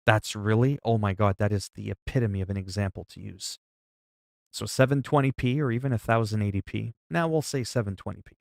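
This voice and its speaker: A man in his forties, livestreaming, talks fast-ish in a lowish, gravelly voice. He chats profanely and casually with viewers, rambling while explaining things through everyday examples, on a dry studio-quality recording.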